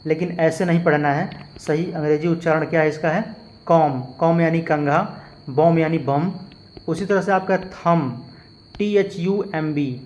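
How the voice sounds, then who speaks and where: A man's voice: a little high, darkish tone. Patient man spelling out English words. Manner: patient, repetitive explaining, spells words letter by letter. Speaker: English teacher. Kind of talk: spoken lesson with spelled-out examples.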